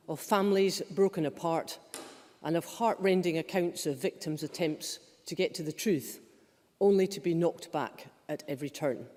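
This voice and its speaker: A man delivers a formal parliamentary speech. His voice is a little high for a man, and long reverb from the chamber surrounds it. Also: darkish tone.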